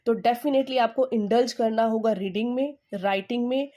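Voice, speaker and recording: A woman's voice: a little high, mellow. A woman with an Indian accent teaching English in Hindi, explaining with repetition and checking in with "okay?". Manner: slow, stressed dictation when reading English sentences. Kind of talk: Hindi-English language lesson.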